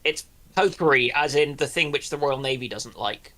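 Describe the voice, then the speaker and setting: A man's voice: mid-range voice, normal speed, sharp tone. A man on a live panel chatting casually with a dry, joking manner. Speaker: panel guest.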